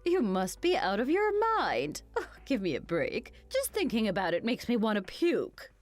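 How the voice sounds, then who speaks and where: A spiteful, money-hungry mother-in-law sneers and mocks, voiced by a woman. Her pitch swoops wildly from line to line as she delivers each insult. Faint music plays behind this animated story. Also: moderate pace. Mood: sneering. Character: cruel older mother-in-law, spiteful and greedy.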